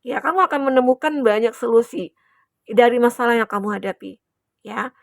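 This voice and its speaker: A woman's voice: on the high side, fairly quick, gravelly, dry recording, clean studio sound. A young adult woman giving a chatty, reassuring collective tarot reading to her viewers, with many fillers. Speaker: tarot reader.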